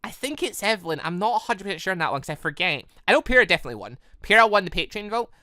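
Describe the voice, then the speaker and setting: A man's voice: sits high, sing-song, racing, bright, forceful tone, dry recording, studio quality. A man giving casual, rambling let's-play commentary as a gaming host, often repeating and rephrasing himself.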